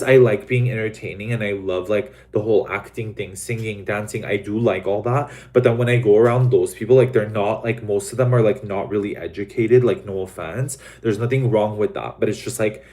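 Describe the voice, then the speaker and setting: A man's voice: fairly low pitch, moderate pace, few pauses, darkish tone. A young man from Los Angeles chatting casually to live viewers, rambling with lots of "like" and "um" and swearing bluntly. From Los Angeles, USA. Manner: rambling, many fillers like "like" and "um". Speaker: livestream host.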